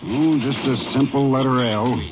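An actor playing a plain-spoken, cooperative Texas sheriff in an old-time western radio drama. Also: male voice, mid-range voice, moderate pace, lightly acted. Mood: curious, cooperative. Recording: muffled, noisy 1950s radio recording.

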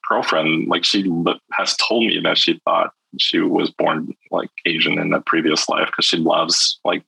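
A young man from China speaks candidly as an interview guest, voice very low and forward with a husky grain. He talks haltingly, restarting sentences and leaning on fillers. The sound is close and dry. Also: flat delivery, pushed and bright, no echo, rough recording.

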